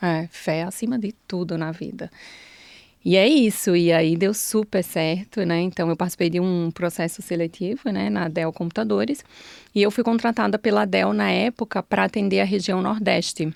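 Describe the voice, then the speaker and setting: The voice has a Pernambuco accent, lively intonation and a moderate pace, recorded with a dry, close sound and no echo. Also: woman, fairly low pitch for a woman. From Brazil, Recife (Pernambuco). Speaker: former corporate marketing executive, entrepreneur. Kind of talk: interview conversation.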